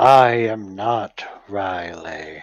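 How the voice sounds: The voice is a booming, put-on character voice. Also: man.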